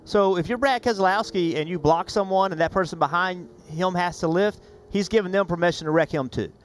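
A man's voice: high voice, brisk, a little hiss or hum. A man working as a racing analyst, earnest and often restarting his sentences. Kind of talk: studio commentary panel.

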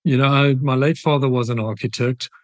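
A man's voice: medium pitch, fairly even intonation, brisk, no echo, clean studio sound. A man with a South African accent, a guest architect on an interview podcast, telling stories in an easy, reflective way. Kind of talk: casual interview.

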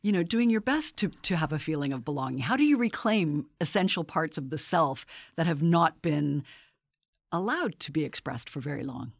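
Low-voiced radio host woman, dry studio. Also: expressive, normal speed, gravelly, dry recording. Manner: gentle, searching questions. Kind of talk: radio interview. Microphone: studio microphone.

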